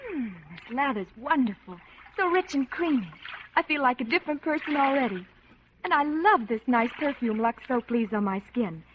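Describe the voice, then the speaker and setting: An actress playing a cheerful, bubbly young housewife in a 1940s radio ad. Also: female voice, sits high, lively intonation, normal speed, background noise. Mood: dreamy. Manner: bubbly, old-fashioned exclamations. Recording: dull lo-fi old radio broadcast.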